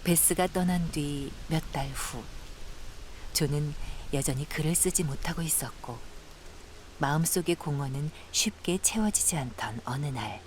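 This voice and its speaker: A woman narrating a literary audio drama in a hushed, solemn, lyrical manner with a breathy voice. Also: sits low, a little slow, a little hiss or hum.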